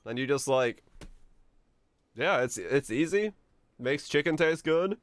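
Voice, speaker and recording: A man's voice: fairly high pitch, animated, takes it slowly, no echo. A man from Finland chatting casually and informally with viewers as a game livestreamer, musing aloud with some mild swearing. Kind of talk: casual chat with stream viewers.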